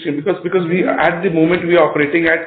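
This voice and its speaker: A man's voice: a little high, steady tone, rapid-fire, a little hiss or hum. A man with an Indian English accent, a company executive who answers casually and slips Hindi phrases into his English. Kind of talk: earnings call answers. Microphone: conference call phone line. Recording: echoey room over phone line.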